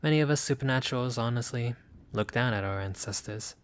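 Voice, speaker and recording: A man's voice: medium pitch, brisk, clear, resonant tone, natural voice. A man playing a friendly, bashful vampire in a roleplay audio, speaking in formal, polite, old-fashioned phrases with some hesitation. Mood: wistful, earnest. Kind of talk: intimate roleplay audio acting.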